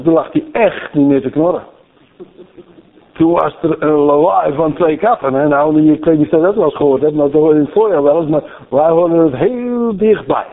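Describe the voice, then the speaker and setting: A man delivers a storytelling sermon in a somewhat high voice, animated and repeating phrases for emphasis. The sound is thin and phone-like, as if heard over a radio broadcast.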